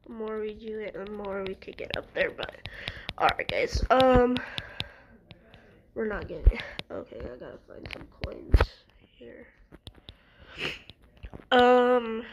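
A woman's voice: a little high, background noise. A woman with a stuffy nose giving rambling, hesitant casual gameplay commentary as a gaming channel host. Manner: rambling, hesitant with many ums and restarts.

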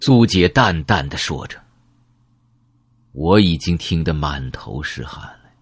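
Man, audiobook narrator, dramatic storytelling, husky voice, dry close recording. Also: rumbling low, animated, a little slow, no echo. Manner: storyteller's pacing, drops to whispers for grim details.

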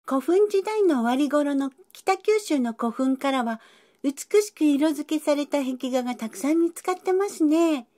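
A woman's voice: high-pitched, lively intonation, normal speed, warm tone, slight background noise. A woman voicing a curious young cat who eagerly asks polite questions. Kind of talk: educational dialogue.

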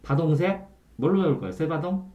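A man tutoring a student one-on-one in Korean grammar, quizzing him often and trailing off quietly at the ends of phrases. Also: fairly high pitch, animated, fairly quick, dull audio. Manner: quizzing the student with frequent checks for understanding. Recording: echoey room.

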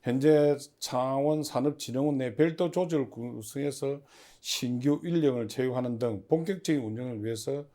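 A man giving formal, prepared interview answers as an agency official, in measured and stiffly official phrasing. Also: medium pitch, mellow. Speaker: head of a public industry agency, interview guest.

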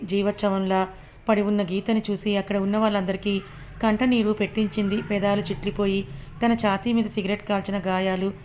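A woman narrating a serial story in a steady, even reading voice. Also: medium pitch, slight background noise.

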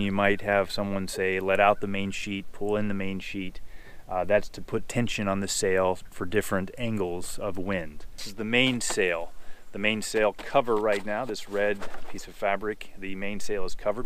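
A man in his forties, a sailing instructor, explaining the parts of a sailboat step by step, asking and answering his own questions. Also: fairly low pitch. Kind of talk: hands-on instructional walkthrough. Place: outdoors on a small sailboat at a dock.

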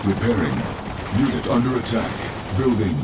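Man voicing a low, terse military computer announcer. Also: animated, moderate pace, very noisy, natural voice. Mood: clipped, official. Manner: terse, matter-of-fact, official. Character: calm male military battle computer announcer for a zealot army. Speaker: in-game announcer. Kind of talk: clipped scripted status announcements. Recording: loud game music behind.

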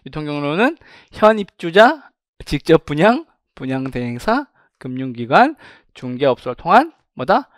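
Male exam-prep lecturer, high lively voice, dry close sound, quizzes the class nonstop. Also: no room sound. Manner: animated, asks the class rhetorical questions and answers them. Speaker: real estate exam lecturer.

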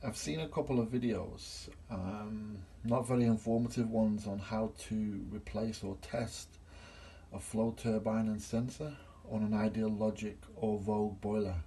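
Holding his own phone to film, a middle-aged gas engineer explains a repair plainly, one step at a time, in what sounds like a small indoor workshop. His voice is gravelly, creaky, lowish, and dark, with a steady tone and measured pace.

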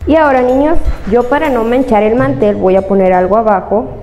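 A woman's voice: fairly high pitch, fairly quick, warm tone. A young woman with a Mexican accent presenting stories and crafts to children in a sing-song way, often asking them questions. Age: young adult. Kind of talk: storytelling and craft instruction for children. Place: indoor studio with painted wall. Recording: echoey room, music behind.

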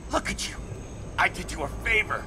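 A man's voice: high-pitched, animated, normal speed, noisy background. An actor playing an arrogant, sadistic male mercenary boss in a video game. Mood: desperate pleading. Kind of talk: cinematic video game acting. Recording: dramatic music behind the voice.

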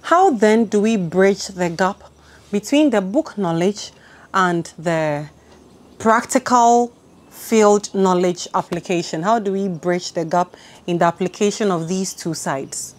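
A woman's voice: mid-range voice, measured pace. Young woman hosting outdoors. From Ghana. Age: young adult. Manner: enthusiastic, frequent affirmations. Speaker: channel host. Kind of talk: interview and presenting to camera. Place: outdoor terrace with hills behind. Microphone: lapel mic.

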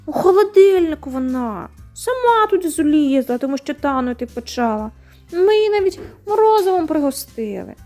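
A woman doing a plump ginger tomcat in a storybook, whining and sorry for himself. His voice sits high, and a little music plays faintly behind him. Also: big pitch swings, moderate pace, darkish tone. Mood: guilty. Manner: whining, self-pitying.

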